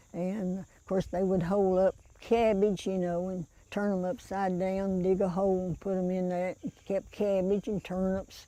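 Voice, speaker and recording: A woman with a Southern Appalachian accent speaks at a moderate pace and medium pitch, her dark, mellow tone paired with monotone, flat intonation. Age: 80s. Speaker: oral history interviewee, elder. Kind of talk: oral history interview answer.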